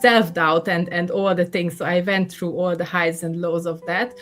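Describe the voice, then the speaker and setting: A woman's voice: on the low side, fairly even intonation, normal speed, a bit bright, soft background music. A woman in her forties with a Hungarian accent, a podcast guest telling her story in a chatty way, laughing often and filling with "uh" and "you know". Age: 40s. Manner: chatty, laughs often, many fillers and restarts. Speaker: podcast guest, career coach. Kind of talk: casual interview storytelling.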